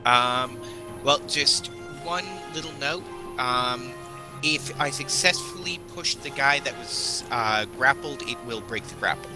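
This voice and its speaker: Slow-talking man gaming over music. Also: medium pitch, rough recording. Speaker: player in an online tabletop game. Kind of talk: casual game chat.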